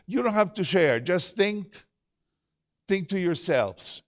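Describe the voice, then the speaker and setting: A man's voice: high voice, lively intonation, slow pace. A middle-aged man giving a conference presentation to teachers, engaging the audience with questions. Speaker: conference speaker.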